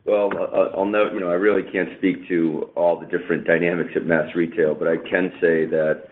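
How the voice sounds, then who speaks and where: A man answering questions as a company executive on an earnings call, in a measured, careful manner with pauses. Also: sits low, level tone, a little hiss or hum. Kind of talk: unscripted corporate question-and-answer. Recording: narrow tinny phone conference line.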